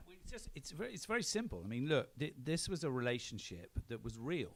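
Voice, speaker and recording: Guy from belfast doing a panel answer, medium pitch, emphatic, opinionated, repeats stuff to hammer it home. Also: big pitch swings, brisk. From Belfast, Northern Ireland. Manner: emphatic, repeats phrases for weight. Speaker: film director, panel guest. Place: on stage at a film premiere event.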